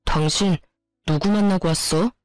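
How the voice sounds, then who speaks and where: A woman's voice: on the low side, normal speed, no room sound, soft background music, lightly acted. A woman voicing a guilty middle-aged husband who turns defensive and accusing.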